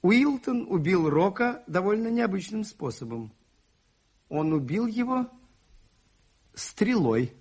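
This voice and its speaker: An actor playing a calm, firm Catholic priest detective in a radio play, reasoning in a measured, deliberate, husky voice. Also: male voice, sits high, exaggerated voice. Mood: grave, deliberate. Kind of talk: 1980s Soviet radio play acting.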